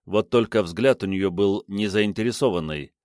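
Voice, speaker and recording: A man narrating an audiobook novel in a measured, even storytelling manner on a close studio mic. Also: fairly low pitch, no echo. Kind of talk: scripted narration.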